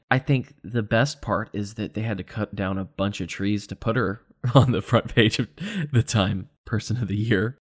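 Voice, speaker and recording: A young man hosting a solo commentary podcast, talking in a sarcastic, emphatic, ranting way. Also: medium pitch. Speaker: podcast host.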